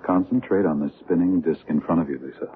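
An American actor playing a calm, friendly doctor and hypnotist in a radio drama. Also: male voice, sits low, fast talker, natural voice. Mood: soothing, hypnotic. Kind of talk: 1970s radio drama acting. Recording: noisy, tinny old radio broadcast.

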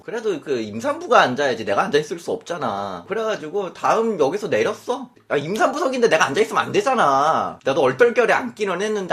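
A transgender woman telling a funny personal story in a casual vlog, animated, laughing often and acting out other people's lines. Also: lowish voice. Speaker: vlogger.

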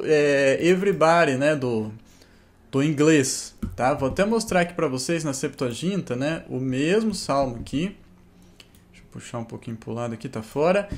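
A man teaching Hebrew in an online lesson, explaining a verse word by word and ending lines with "né?" and "tá?". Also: on the high side. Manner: slow and explanatory, tags lines with "né?" and "tá?".

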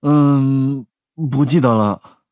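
An actor playing a cool, terse police detective in an audio drama. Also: male voice, medium pitch, drawn-out words, dark tone, no room sound, studio quality. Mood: hesitant.

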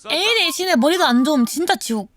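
Young female streamer, high and animated, chatty and playful. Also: racing, music in the background. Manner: playful, slips into comic voices when quoting. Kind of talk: casual late-night chat.

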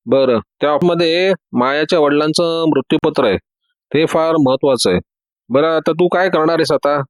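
A man voicing a curious young woman who gently asks questions. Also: a little high, moderate pace, no room sound, close to an everyday voice. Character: curious young female detective's companion.

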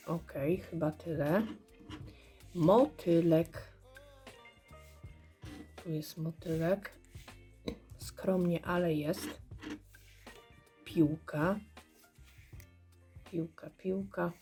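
Hoarse lady murmuring thru her scratch cards real slow, low-ish voice. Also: dark tone. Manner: slow, murmured checking of symbols. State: hoarse, clearing throat. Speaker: scratch card vlogger. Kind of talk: casual commentary while scratching cards.

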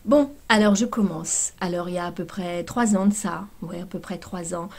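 A woman's voice: on the low side, moderate pace. A woman YouTuber chatting casually to her viewers, telling a storytime with lots of fillers and exclamations.

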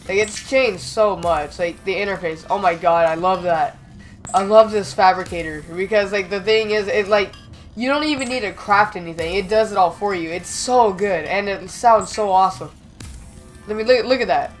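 A young man with a slightly raspy voice from being sick, chatting excitedly as he plays and talks back to the game. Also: sits high, normal speed, soft background music. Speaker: gaming channel host. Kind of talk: casual gameplay commentary.

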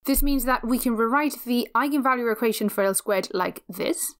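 A woman giving a scripted physics lecture, explaining step by step in a measured, methodical way. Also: on the high side.

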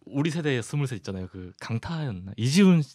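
A man in his thirties answering interview questions in a modest, soft-spoken way. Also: medium pitch, big pitch swings, quick pace, dry recording, clean studio sound. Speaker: guest. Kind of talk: casual interview chat.

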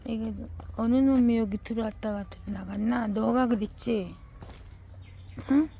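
Older woman gardener, casual vlog, slow and gravelly, chats softly to her plants. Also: medium pitch, a little hiss or hum. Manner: murmurs to her plants, frequent sighing exclamations. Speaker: home gardener. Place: home garden.

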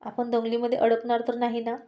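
A woman's voice: fairly high pitch, completely flat delivery, brisk, dull audio, close to an everyday voice. A woman voicing a spirited, loyal young female college student who talks playfully but stands firm in a storybook reading.

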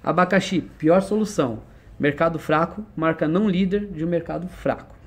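A man's voice: fairly high pitch, moderate pace. Man explaining business concepts casually. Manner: conversational, explains with everyday examples and asks questions. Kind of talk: informal one-on-one lesson.

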